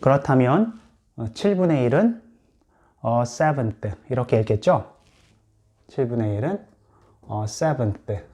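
A man's voice: medium pitch, expressive, a little slow, pauses often, mellow. A man teaching English in Korean, patiently explaining and repeating each English word for practice. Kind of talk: explanatory lesson.

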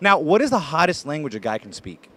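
A man with a high, very lively voice interviews people casually on the street. He is playful and teasing, and slips between languages as he talks. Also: brisk, a little hiss or hum. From United States, Virginia. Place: outdoors in a busy urban street area.

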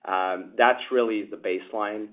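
Low-voiced executive on a phone line. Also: male voice, steady tone, measured pace. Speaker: company executive answering analysts. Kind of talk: earnings call answers. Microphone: telephone conference line. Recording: narrow, tinny phone line.

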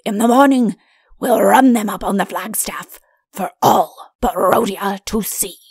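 Sly storybook royal, played by a woman: self-satisfied, mischievous, mock-tender, with some fry in the voice. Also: medium pitch, a little slow, a little mellow, heavily acted. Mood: gleeful.

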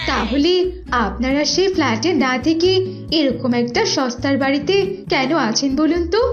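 A woman's voice: high-pitched, muffled recording. A woman voicing a young female fox in a cartoon fairy tale, studious and dutiful, with a pleading, inquisitive manner.

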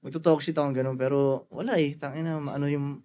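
A man's voice: on the high side, fairly even intonation, brisk, mellow. A young man chatting casually on a podcast, laid-back and slangy, swearing often. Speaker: podcast guest.

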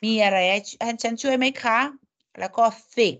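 A woman's voice: a little high, normal speed. Woman teacher drilling pronunciation. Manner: coaxing, drills pronunciation syllable by syllable. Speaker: language teacher. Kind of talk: online language lesson. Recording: dull lo-fi audio.

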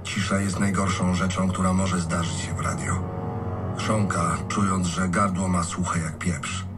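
A man with a deep voice reads scripted narration for a radio crime drama. He tells the story with measured suspense. Music plays clearly behind him. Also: flat delivery.

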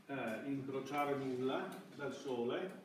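Echoey, halting male lecturer, distant mic. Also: mid-range voice. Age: middle-aged. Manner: halting, searching for words with repeated false starts. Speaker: university lecturer. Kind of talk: classroom lecture with slides. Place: indoor classroom. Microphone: far camera microphone. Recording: echoey classroom, distant mic, background hiss.

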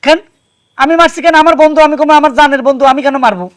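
Comedy-drama casting: a high-voiced, lamenting village husband, dry close sound. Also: male voice, very fast, no echo. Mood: pleading. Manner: loud lamenting wails. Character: simple-minded village husband, wailing for his friend.

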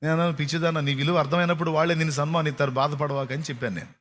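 Man, pastor, sermon, slightly high pitch, rhetorical questions, slow chanted verses. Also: fairly even intonation, a bit bright. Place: church hall at an all-night prayer.

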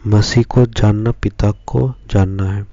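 A man reading Scripture and preaching as a pastor, slow and measured in short phrases. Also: on the low side, steady tone, mellow, no echo, muffled recording. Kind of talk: devotional Bible reading and sermon.

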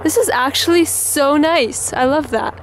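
High-voiced young woman vlogging outdoors. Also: unhurried. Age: young adult. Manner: playful, laughing, teasing. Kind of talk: casual vlog chat. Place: outdoors on country roads and in a car. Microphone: handheld camera at arm's length. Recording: loud wind and outdoor noise.

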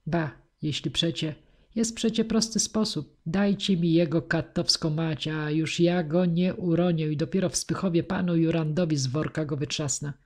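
A woman's voice: low-pitched, fairly even intonation, normal speed. A woman voicing a blunt, loyal young male squire, speaking plainly and practically in an audiobook. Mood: eager.

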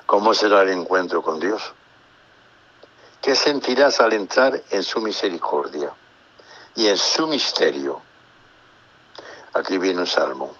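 A man who is a priest, giving an unhurried, reflective religious talk on the radio, reading psalms aloud and commenting on them, often hesitating and repeating words. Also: sits low, expressive, fairly bright tone, muffled recording. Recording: radio broadcast.

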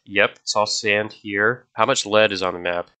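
With a lowish, smooth, sharp voice and fairly even intonation at normal speed, a young man comments casually on the game he's playing. His cold leaves him stuffy and nasal, and as a gaming video host he chats to viewers and drifts off-topic easily.

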